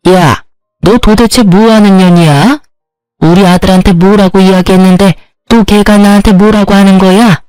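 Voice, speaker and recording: A woman's voice: mid-range voice, steady tone, moderate pace, darkish tone, smooth, dry recording, soft background music, lightly acted. A woman voicing a harsh older mother-in-law who berates and insults her daughter-in-law in an audio story. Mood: scolding.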